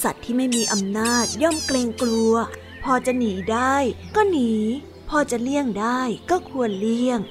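Bright high woman telling kids' stories. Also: normal speed. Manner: bright, sweet, expressive, addressing kids. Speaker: children's storytelling host. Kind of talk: children's storybook narration. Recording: children's music behind.

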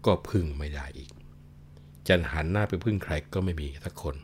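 A man voicing an elderly nobleman father, speaking slowly and soothingly. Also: low-pitched, darkish tone, slight background noise, lightly acted. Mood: worried. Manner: slow, soothing.

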